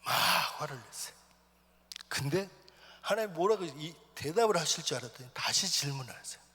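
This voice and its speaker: A man preaching a personal testimony in church, swinging from loud, stirring lines to hushed whispers. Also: a little high, lively intonation, fairly quick, husky. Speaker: missionary preacher. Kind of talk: sermon testimony. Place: church sanctuary. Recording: long church hall reverb.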